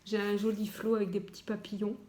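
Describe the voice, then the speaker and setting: A middle-aged woman chatting casually as she unboxes and admires craft gifts, talking softly and often dropping to a hush. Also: mid-range voice, little pitch movement, fast talker, slight background noise. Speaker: scrapbooking vlogger.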